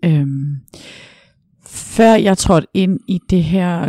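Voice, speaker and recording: A woman's dark, mellow tone carries ordinary pitch variation in a dry, close sound with no echo. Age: 40s. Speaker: swingers club bar staff. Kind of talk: casual chat.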